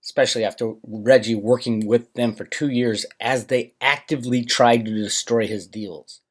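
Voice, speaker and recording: A man's voice: medium pitch, steady tone, normal speed. A man hosting a financial commentary vlog, talking casually and emphatically to viewers with opinionated asides and rhetorical questions.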